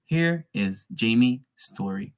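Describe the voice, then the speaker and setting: Male presenter, mid-pitched, casual and friendly address, repeats key points. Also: lively intonation, slow. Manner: casual, addresses listeners as "guys", fillers and restarts. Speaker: dual enrollment presenter. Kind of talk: informational presentation.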